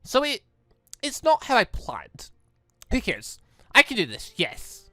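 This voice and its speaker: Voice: mid-range voice, wildly swooping pitch, slow, bright, forceful tone, no echo, clean studio sound, faint music behind, pitched above the performer's own voice, exaggerated voice. A gaming host voicing a flustered, haughty, short-tempered teenage heiress in an anime game, stammering and scolding.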